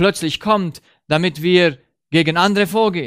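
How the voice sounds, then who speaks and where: Recorded very cleanly against a silent background, a man talks with ordinary pitch variation in a dry, close sound with no echo. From Romania (German minority). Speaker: Bible teacher. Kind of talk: sermon-style Bible lecture.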